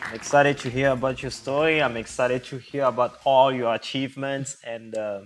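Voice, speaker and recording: A man's voice: mid-range voice, steady tone, normal speed, background noise. A man hosting a music podcast, asking his guest questions with enthusiasm. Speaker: podcast host. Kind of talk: interview questions.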